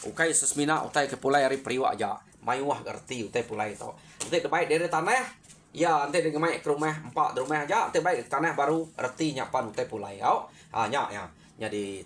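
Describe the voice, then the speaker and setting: Male storyteller, medium pitch, animated folk tale narration, swings between raised emphasis and quiet asides.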